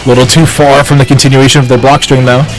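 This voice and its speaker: A man giving analytical color commentary on a fighting game match, measured with quick asides. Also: medium pitch, little pitch movement. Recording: faint music underneath.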